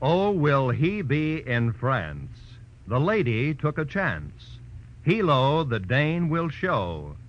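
A man's voice: a little high, very animated, takes it slowly, noisy background. An American man announcing a scripted network radio broadcast in 1940s style, formal, polished and promotional. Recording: muffled old radio broadcast.

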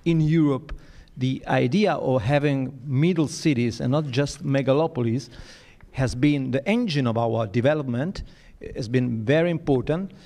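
Gravelly man with an Italian accent. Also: mid-range voice, mellow. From Italy. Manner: halting, many restarts and fillers. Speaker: development agency panelist. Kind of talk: panel discussion.

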